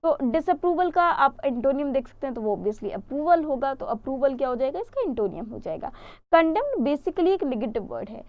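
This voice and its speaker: High-voiced Indian woman teaching vocabulary. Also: very animated, a little fast, no room sound, highs cut off. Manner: chatty explaining, asks questions and answers them. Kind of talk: online exam-prep lesson.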